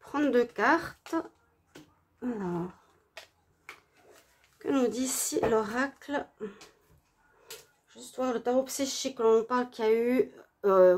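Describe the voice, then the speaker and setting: A woman with a stuffy nose from a cold gives a relaxed tarot reading for her viewers, gentle and halting with many hesitations. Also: fairly high pitch. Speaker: tarot reader.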